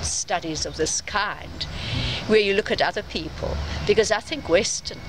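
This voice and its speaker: An older woman speaking in a thoughtful, measured, articulate way as she answers questions in a conversational interview. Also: mid-range voice. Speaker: interviewed writer and academic. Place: outdoors in a courtyard beside a building. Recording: noisy outdoor recording, urban traffic ambience.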